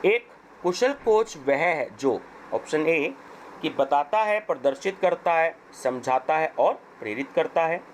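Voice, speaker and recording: Hoarse Indian male teacher, slow. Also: a little high, sing-song, a little hiss or hum, rough recording. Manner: slow, deliberate question-and-answer reading. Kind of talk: exam paper walkthrough.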